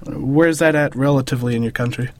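A man with a medium-pitched voice acts as interviewer. He keeps it casual, putting simple questions plainly and acknowledging answers briefly. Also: fast talker, darkish tone, slight background noise.

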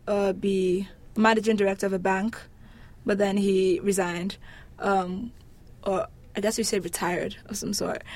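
Young nigerian woman, student, chatting casually in an interview, pretty emphatic and animated. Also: mid-range voice. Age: young adult. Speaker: university student being interviewed.

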